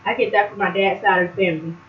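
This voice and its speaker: A woman keeps up quick, teasing banter with family in the kitchen. She talks fast and casually at a middling pitch. The sound is dull and muffled, like a home video. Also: fairly even intonation, echoey room. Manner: quick talker, chatty and teasing. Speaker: family member co-host.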